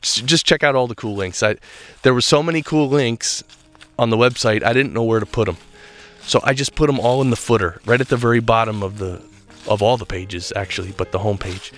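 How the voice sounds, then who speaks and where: A man with a mid-range, fairly bright voice speaks briskly, faint music behind him, as he hosts a solo spiritual podcast while walking outdoors in a state park. He sounds a little nasal and stuffed up, earnest and reflective, talking loosely and restarting thoughts.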